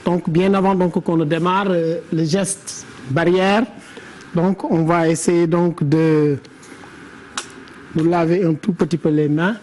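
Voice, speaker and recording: A woman with a lowish, somewhat mellow voice gives a classroom lesson on verse, with slight background noise in the recording. Explaining step by step, she teaches didactically and puts questions to pupils by name.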